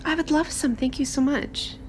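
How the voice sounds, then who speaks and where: A woman's voice: high voice, steady tone, moderate pace, a little mellow, slight background noise, pitched above the performer's own voice, close to an everyday voice. A woman playing an earnest, well-mannered girl in a tabletop game, speaking in a hesitant, courteous way. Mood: eager, hopeful. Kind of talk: tabletop roleplay.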